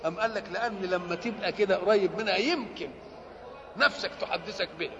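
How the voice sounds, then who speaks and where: A man's voice: high-pitched, fast talker, background noise. A man with an Egyptian Arabic accent giving a sermon that explains scripture, often asking a question and then answering it himself. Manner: asks rhetorical questions and answers them himself. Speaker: religious lecturer. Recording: dull lo-fi recording with long hall reverb.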